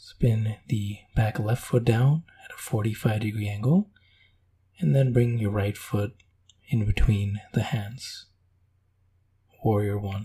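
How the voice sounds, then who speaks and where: Calm and somewhat breathy, a man speaks at a very slow pace with long, frequent pauses, a dark, mellow tone, fairly low pitch and ordinary pitch variation. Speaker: yoga instructor. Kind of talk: guided yoga class voiceover. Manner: slow, calm.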